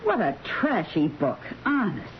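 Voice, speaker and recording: A woman's voice: on the low side, big pitch swings, normal speed. An actress playing a prim, chatty woman who minds a bedridden patient in a radio drama. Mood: scandalized. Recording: dull vintage radio, faint noise.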